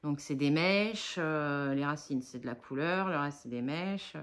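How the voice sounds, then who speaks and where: A woman's voice: sits low, a little slow. Chatty woman in her forties showing a haul. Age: 40s. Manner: chatty, rambling, self-mocking, many fillers. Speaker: budget haul vlogger. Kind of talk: casual haul vlog.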